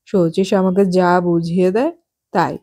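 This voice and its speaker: A woman voicing a nosy, gossipy well-off married woman in an audiobook, chatty and sharp-tongued. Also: fairly low pitch, steady tone, a little slow. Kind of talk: audiobook character voice.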